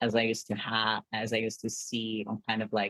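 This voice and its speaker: Someone speaks at a moderate pace with a Portuguese accent. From Brazil. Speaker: artist. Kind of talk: interview.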